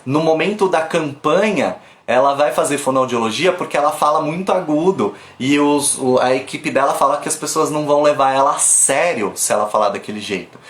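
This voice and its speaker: A man from Brazil giving a live online pronunciation class on his phone, chatty and lively, stopping to demonstrate sounds. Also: fairly high pitch, fairly quick, hardly any pauses, echoey room. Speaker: English teacher. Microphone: phone camera.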